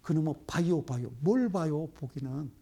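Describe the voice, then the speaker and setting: Korean stock show guy, high voice, goes up and down a lot, keeps scolding with questions. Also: animated, normal speed, vocal fry, mellow. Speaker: stock market commentator. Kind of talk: investment broadcast commentary.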